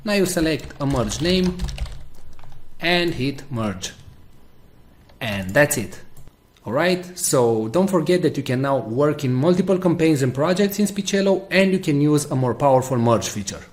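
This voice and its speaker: A man narrating a step-by-step software tutorial as a voice-over on a screen recording. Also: a little high, lively intonation, a little slow.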